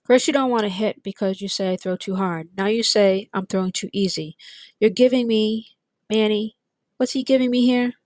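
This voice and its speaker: A woman reading a cocky young pitcher. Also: normal speed, darkish tone, dry recording, close to an everyday voice. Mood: joking. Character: confident boy pitcher, friendly, teasing.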